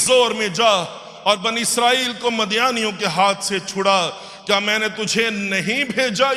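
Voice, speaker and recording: A man's raised, projected voice at a high pitch. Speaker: pastor. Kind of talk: sermon.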